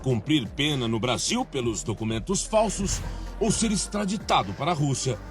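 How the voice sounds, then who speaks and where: A man with a Brazilian Portuguese accent, a TV news reporter giving scripted narration in a measured, emphatic delivery. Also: medium pitch, animated, over music.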